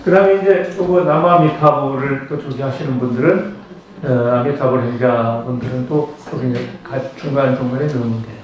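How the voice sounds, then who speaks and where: Older guy giving a chatty buddhist talk, mid-pitched voice, far from the mic in a really echoey room. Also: highs cut off, slight background noise. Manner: conversational, leads slow chanting. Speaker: lecturer. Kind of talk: Buddhist lecture. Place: lecture room.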